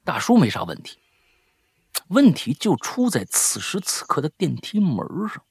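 A male host with a husky, slightly rough voice reads out stories in a chatty, animated style. His pitch swings widely, and he tends toward exasperated, nagging grumbles. The sound is close and dry. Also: moderate pace, no room sound. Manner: grumbling, scolding, exasperated rants. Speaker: host reading listener stories. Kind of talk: animated storytelling with chatty asides.

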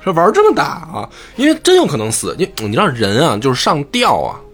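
A man who hosts a podcast, retelling a classic novel in animated, colloquial chat and swearing freely. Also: a little high, quick pace, faint music behind. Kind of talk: casual storytelling chat.

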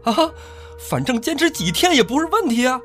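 An actor in a radio drama playing a vengeful, gloating miner turned killer, with a maniacal manner. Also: male voice, very high-pitched, big pitch swings, a little fast, fairly bright tone, heavily acted. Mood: gloating, sinister. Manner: gloating, breaking into maniacal laughter and sobbing. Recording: music behind the voice.

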